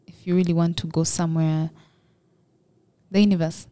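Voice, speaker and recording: Soft-spoken Ugandan woman, low and mellow. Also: level tone, moderate pace. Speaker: guest, makeup entrepreneur. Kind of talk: casual podcast interview.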